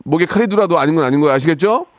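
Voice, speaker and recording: Radio host guy joking w callers, a bit high voice, dead dry studio mic. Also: no echo. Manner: teasing, quick deadpan verdicts. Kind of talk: lively radio call-in banter. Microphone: studio microphone.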